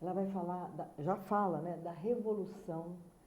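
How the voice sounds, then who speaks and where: A woman at medium pitch, fairly slow and with fairly even intonation, amid audible room echo and noticeable background noise. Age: 60s. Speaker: web TV host. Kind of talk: interview.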